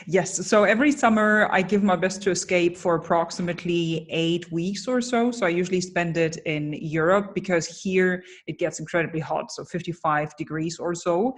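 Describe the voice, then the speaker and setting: This guest, a personal branding coach from Germany, speaks at a moderate pace with few pauses in a fairly low voice. Her interview answers come across as candid, emphatic, and energetic storytelling.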